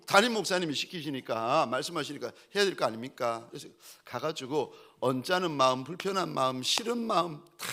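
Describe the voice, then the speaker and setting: A middle-aged man preaching as a pastor, telling a story with sudden swings from loud cries to near whispers. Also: a little high. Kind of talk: sermon.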